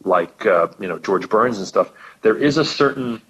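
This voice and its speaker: A man with a fairly low voice chats as a podcast guest, musing his way through ideas. He circles back and restarts his sentences as he thinks. The audio is muffled and lo-fi. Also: animated, normal speed, a bit bright. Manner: thoughtful, rambling, frequent restarts and repeated words. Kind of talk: casual conversation about old radio comedy.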